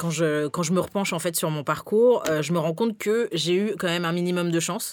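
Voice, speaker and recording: A woman's ordinary speaking voice at a fairly low pitch, with ordinary pitch variation and a fairly quick pace. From France, parents from Guinea-Bissau. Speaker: career coach for women of color. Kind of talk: casual chat.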